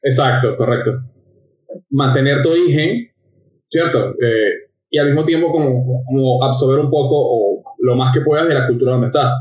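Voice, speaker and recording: A man's voice: mid-range voice, moderate pace, darkish tone, echoey room, rough recording. A young man, co-hosting a podcast and talking in an easygoing way with dry jokes. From Venezuela. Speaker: podcast co-host. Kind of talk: casual chat.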